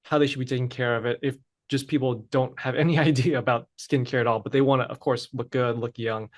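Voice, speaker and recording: This man hosts a podcast, talking fast at a medium pitch. In an even manner, he first reads out the guest's prepared intro and then begins asking his interview questions.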